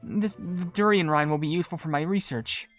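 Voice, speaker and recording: A woman voicing a gentle, composed cookie perfumer in a video game, speaking politely and with measured care. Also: low-pitched, lightly acted. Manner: soft-spoken, polite, measured. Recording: game music behind.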